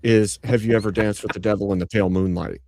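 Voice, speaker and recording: Male host, slightly low voice, dry close sound, deadpan teasing in loose chat. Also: fast talker, dry recording. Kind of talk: casual chat.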